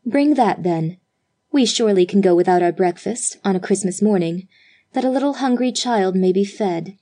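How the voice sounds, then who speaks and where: A woman voicing a gentle, sensible mother of a poor family, speaking calmly and firmly. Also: mid-range voice, normal speed, natural voice.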